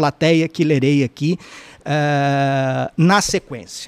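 This is a man's voice. His pitch is fairly high. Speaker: podcast host and bookseller; podcast host, bookseller. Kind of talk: interview before live audience. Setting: bookstore with live audience. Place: shop. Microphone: studio mic.

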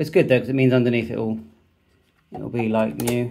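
The pace is moderate, delivered with a British accent. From UK. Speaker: amateur radio hobbyist YouTuber. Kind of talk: product unboxing and demo. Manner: casual, hesitant with fillers. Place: home room. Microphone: phone near.

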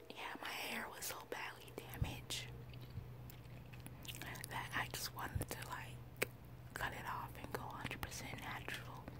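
Loud background noise under a woman's fairly slow speech. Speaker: ASMR haul vlogger. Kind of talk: ASMR haul video, casual talk to camera. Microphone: phone near.

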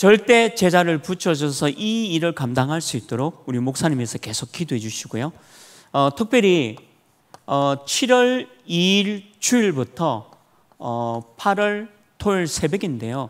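The background stays quiet. A man talks very slowly. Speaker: pastor leading a session. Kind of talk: sermon. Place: church. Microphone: handheld.

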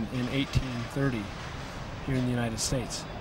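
Noticeable background noise beneath a man's dry sound with no echo. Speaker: interviewee. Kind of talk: interview answer. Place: street. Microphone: handheld.

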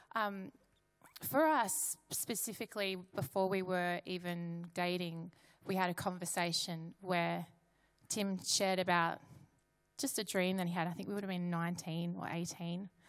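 Against a silent background in a very clean recording, a woman speaks at a medium pitch and a fairly slow pace. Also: ordinary pitch variation. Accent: Australian. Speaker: pastor. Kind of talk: conference talk. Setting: stage with audience.

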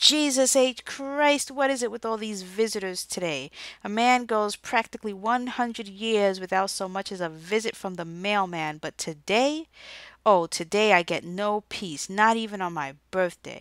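A female-sounding, put-on character voice, rumbling with an angry tone, comes at a moderate pace and a medium pitch. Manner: irritated, grumbling, angry.

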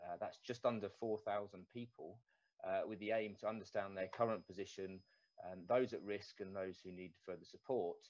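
A man with a fairly low pitch speaks in a normal speaking voice, with ordinary pitch variation. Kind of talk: conference presentation. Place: home room. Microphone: video call.

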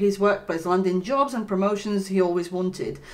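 Her delivery, as a woman speaking, moves at a moderate pace. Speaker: streamer. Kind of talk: reading game text aloud with commentary. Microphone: headset.

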